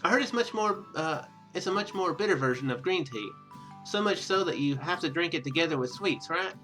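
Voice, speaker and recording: A man giving casual gameplay commentary in a halting, rambling, self-deprecating way. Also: a little high, lively intonation, a bit bright, faint music behind, poor audio. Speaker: let's player. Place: indoor room at home.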